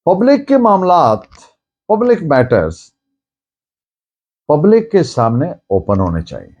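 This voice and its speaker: A man with a Pakistani accent giving a formal law lecture, deliberate and emphatic, restating points as he reads out and explains. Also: a little high, huge pitch swings, darkish tone, breathy edge. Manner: deliberate, emphatic, repeating points in Urdu and English. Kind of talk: formal lecture, reading out and explaining legal text.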